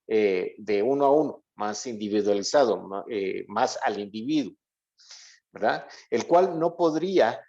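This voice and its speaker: A man's voice: fairly low pitch, lively intonation, measured pace, darkish tone. A man giving an interactive Bible lesson to a congregation, explaining didactically and often checking understanding with short questions. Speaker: church Bible teacher. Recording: dull, lo-fi, muffled audio.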